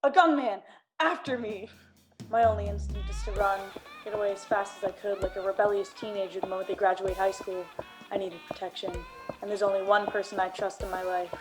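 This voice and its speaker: A woman's voice: mid-range voice, fairly even intonation, brisk, faint music behind, lightly acted. Woman playing a brooding noir private detective. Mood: urgent narration. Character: world-weary, melodramatic hard-boiled private detective named Robert. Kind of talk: noir radio drama narration.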